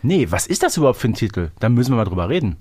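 A man's voice: medium pitch, very animated, racing, mellow, slightly rough, no room sound, clean studio sound. A man in his forties co-hosting a podcast in a casual, conversational style. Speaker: podcast co-host. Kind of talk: casual chat.

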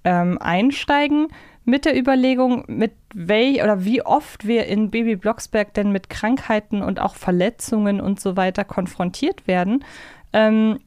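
Woman, smooth clear voice, dry close sound, casual podcast co-host. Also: a little high, a little mellow, dry recording.

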